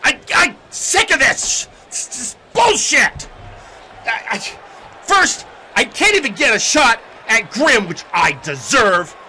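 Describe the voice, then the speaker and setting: A man's voice: very high-pitched, very animated, takes it slowly, pushed and bright, a little hiss or hum, pitched above the performer's own voice, full character voice. A man playing an angry, frustrated wrestler ranting in a promo, stammering with exasperation. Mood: furious, exasperated. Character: furious, frustrated male wrestler ranting in the ring.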